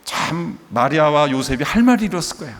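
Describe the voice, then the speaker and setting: Here a middle-aged man preaches a sermon in a slightly high voice, brisk and lively in intonation. His delivery is emotive, full of rhetorical questions and acted-out quotations, and the recording carries a long hall reverb.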